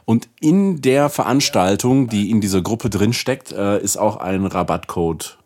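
A man co-hosting a casual podcast, relaxed and a little hesitant, announcing plans to the listeners. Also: fairly low pitch, measured pace. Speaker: podcast co-host.

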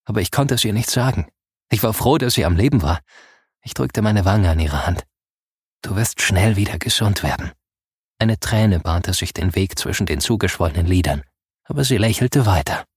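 A man narrating a first-person audiobook in a soft, grave storytelling manner. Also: low-pitched, animated, a little fast, husky, dry recording, clean studio sound.

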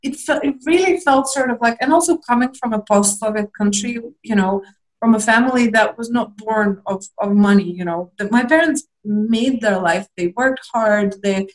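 A young woman from Lithuania speaks with a slightly high voice. She talks candidly and reflectively as an interview guest, pausing, restarting, and letting out small laughs. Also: low-quality recording.

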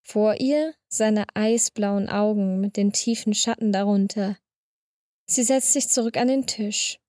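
A woman narrating a short story in a calm, measured reading voice on a close studio mic. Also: a little high, no echo. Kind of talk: scripted narration.

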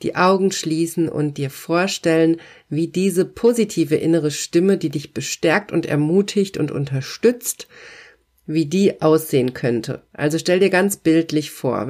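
A coach who runs hypnosis sessions gives a self-help talk, speaking straight to the listener in an encouraging, emphatic way with repeated affirmations. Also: mid-range voice. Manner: warm, encouraging second-person address with repeated affirmations; emphatic, pointed phrasing.

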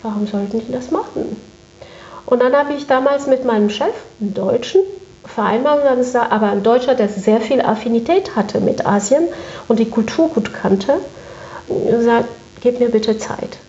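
Female interview guest, fairly high but soft-toned, emphatic repetition, conversational, slightly muffled room recording. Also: normal speed. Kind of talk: conversational interview, recounting work experience. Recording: echoey room, dull muffled sound.

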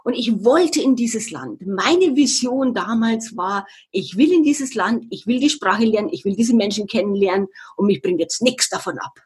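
An older woman with a very breathy, husky voice talks as a podcast guest. She tells her story in an earnest, reflective manner, pausing now and then to find her words. Her pitch is mid-range for a woman. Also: expressive, a little mellow. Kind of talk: personal storytelling in a conversation.

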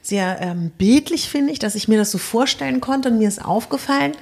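A woman hosts a casual interview podcast from a friend's apartment. Her voice is slightly husky and pitched a bit high. She talks in a chatty, easy way with frequent fillers. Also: animated, fairly quick. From Germany. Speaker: podcast host. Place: guest's apartment.

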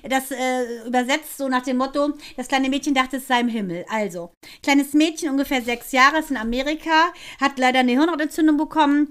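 A woman with a high voice, chatting casually as a podcast co-host. She tells stories with animation and acts out the lines of the people in them. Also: brisk, clear, resonant tone. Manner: laughing, chatty storyteller who acts out quotes. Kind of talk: casual chat.

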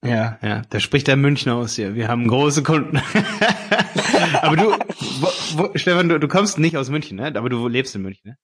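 A man's voice: mid-range voice, big pitch swings, normal speed, background noise. A man on a podcast talking casually, explaining his ideas eagerly with hesitant fillers along the way. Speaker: podcast co-host, ads course seller.

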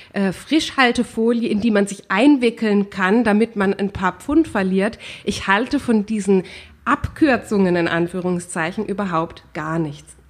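Podcast co-host, woman in her thirties, stuffy with a cold, emphatic and opinionated. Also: mid-range voice. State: has a head cold, runny nose. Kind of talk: casual Q&A podcast talk.

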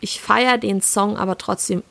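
A young adult woman from southwestern Germany, co-hosting a podcast in casual chat, reflective and often halting as she searches for words. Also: mid-range voice, steady tone, vocal fry, sharp tone. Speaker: podcast co-host.

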